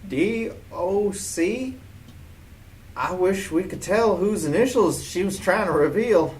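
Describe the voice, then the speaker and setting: A man's voice: sits high, animated, takes it slowly, a little mellow. A man playing a nervous husband in an amateur radio-style mystery play. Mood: uneasy. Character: nervous husband shocked by his wife's murder. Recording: distant mic with faint background noise.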